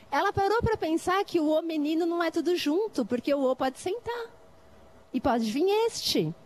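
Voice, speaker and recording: A middle-aged Brazilian woman who lectures on literacy teaching speaks on a debate panel, explaining literacy activities and frequently checking that listeners are following. Her voice is high with a darkish tone.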